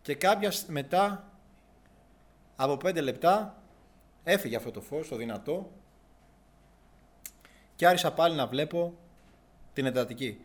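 Earnest young man, slightly high voice, halting faith testimony. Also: animated. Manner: earnest, halting, with restarts and long pauses. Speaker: giving a religious testimony. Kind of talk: personal testimony, storytelling.

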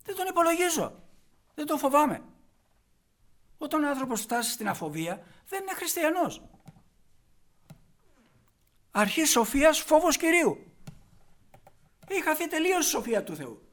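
A man delivers a sermon in a very high voice. He preaches emphatically and keeps putting rhetorical questions to his listeners. He drops into hushed asides and then comes back loud on the points he stresses. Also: big pitch swings, pauses often.

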